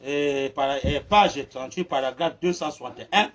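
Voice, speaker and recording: A man preaching a sermon, laughing through his words, mocking and shouting amens. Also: fairly high pitch, normal speed.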